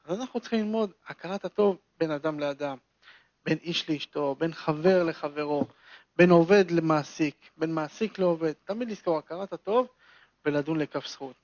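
A man's voice: fairly high pitch, a little mellow, no echo, lo-fi sound. A man teaching a religious lesson to a small group, telling a story with emphatic repetition.

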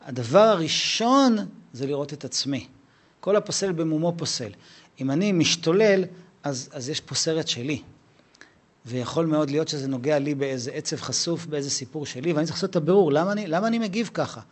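Animated man giving a Torah lesson. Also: a little high. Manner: animated, acts out dialogues with raised voice. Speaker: rabbi teaching Torah. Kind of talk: informal Torah lesson to a live audience.

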